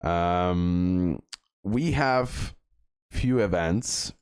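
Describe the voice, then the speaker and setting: A man's voice: deep voice, very slow, a little mellow, smooth, dry recording, studio quality. A man hosting a gaming channel, commenting on a game update in an enthusiastic, chatty way, with many fillers and restarts. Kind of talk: game news commentary over footage.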